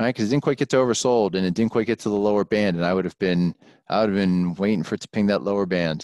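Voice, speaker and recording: Over a quiet background, a man talks at a very fast pace with a fairly low pitch and ordinary pitch variation. The sound is dry and close, with no echo. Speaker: stock market presenter. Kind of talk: live webinar presentation. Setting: live online event.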